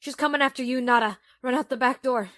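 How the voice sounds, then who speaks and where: A woman's voice: high-pitched, steady tone, quick pace, fairly bright tone, dry recording, studio quality. A woman playing a composed, protective female computer program in an audio drama, with matter-of-fact delivery. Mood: urgent, commanding.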